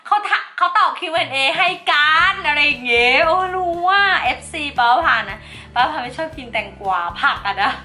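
Female vlog host from Thailand, chatty and giggly, high and bright, very animated delivery. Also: moderate pace, hardly any pauses, soft background music. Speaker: slime channel host. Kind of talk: casual chat vlog.

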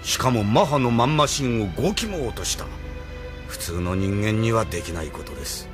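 An actor playing a loyal rebel admiral who speaks politely and proudly in a radio drama. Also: male voice, on the low side, expressive, normal speed, music in the background, close to an everyday voice. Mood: earnest. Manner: polite, deferential yet proud. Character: loyal middle-aged male rebel admiral, earnest.

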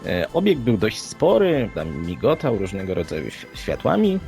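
Creaky-voiced man in matter-of-fact discussion. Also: on the low side, huge pitch swings, normal speed, mellow. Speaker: podcast co-host. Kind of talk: unscripted paranormal news discussion. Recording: background music under the voice. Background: music.

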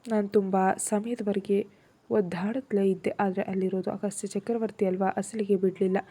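A woman's voice: medium pitch, flat delivery, normal speed, mellow, breathy edge. A woman reading a first-person romance story aloud, expressively acting out the heroine's feelings.

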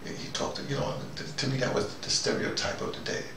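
An older American man giving a rambling, conversational monologue in a wry, musing, self-questioning manner. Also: brisk. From United States. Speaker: host. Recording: echoey room, noisy, distant mic.

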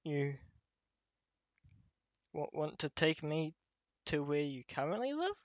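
A man playing a gentle, nostalgic childhood teddy bear in an ASMR roleplay, speaking tenderly and wistfully with frequent pauses. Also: a little high, sing-song, no room sound, highs cut off, heavily acted. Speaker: voice actor. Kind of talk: ASMR roleplay addressed to listener.

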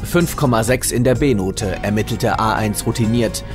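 A man's voice: fairly low pitch, moderate pace, music in the background. A man narrating a scripted comic story in a wry, tongue-in-cheek manner.

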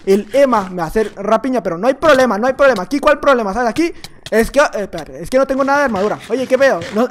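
A man with a Mexican accent giving live gameplay commentary as a gaming YouTuber, joking and rambling as he chats playfully with the other players. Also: very high-pitched.

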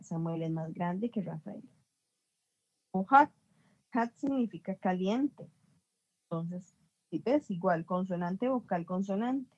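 A woman's voice: medium pitch, a little mellow, dull audio. A woman teaching an online English grammar class, explaining rules patiently, repeating herself and checking that students follow.

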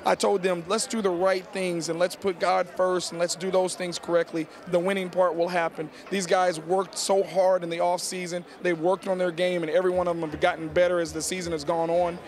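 American basketball coach guy, middle-aged, kinda high voice, even tone, postgame interview. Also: brisk, hardly any pauses. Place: on the court of a large indoor arena. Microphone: handheld reporter microphone held to him.

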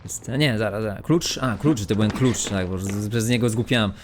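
A man's voice: lowish voice, moderate pace. A man commentating live on a horror game he is playing, muttering and swearing to himself and his viewers. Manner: muttering, swearing, self-talk. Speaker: streamer. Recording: noisy game stream audio.

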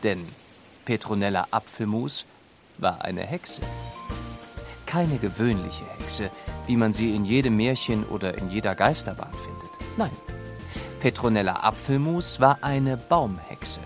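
A man narrating a scripted children's story in an expressive, deliberate storytelling manner. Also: lowish voice. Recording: studio narration over music. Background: music.

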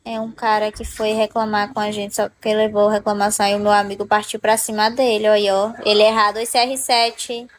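A woman's voice: medium pitch, flat delivery, brisk, few pauses. A young woman hosting a casual live stream, chatting playfully with viewers and laughing often. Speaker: livestream host.

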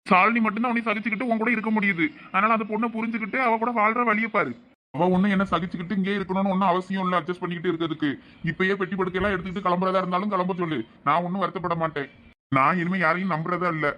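A stubborn, blunt young village husband, played by a man in a family comedy skit. His voice is fairly high for a man, and his lines come quick and bickering. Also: fairly even intonation, sharp tone, low-quality recording. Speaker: skit actor playing a husband and his friend.

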